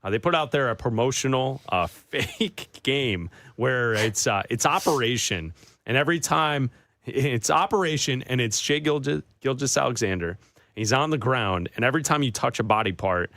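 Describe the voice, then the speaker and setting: A man's voice: medium pitch, lively intonation, moderate pace, fairly bright tone, no echo, clean studio sound. A man hosting a sports radio show, telling stories in a loose, laughing way with fillers. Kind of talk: casual sports talk banter.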